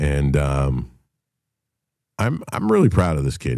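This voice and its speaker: Here a man talks with a New England accent. His tone is dark and mellow. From New England (Massachusetts). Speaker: podcast host. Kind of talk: casual chat. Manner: casual, halting with many fillers.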